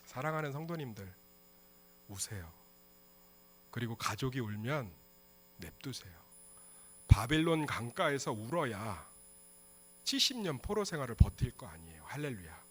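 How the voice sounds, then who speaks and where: A male pastor delivers a passionate sermon in a bright, lively voice. He moves between hushed, quiet lines and loud outbursts. His pitch rises and falls a lot. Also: moderate pace, pauses often, a little hiss or hum.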